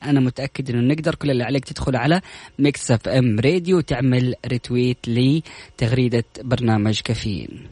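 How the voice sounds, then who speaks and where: A man's voice: mid-range voice, fast talker, a little mellow, husky, dry recording. A man co-hosting a morning radio show, teasing his guests and laughing often. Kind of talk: playful radio banter.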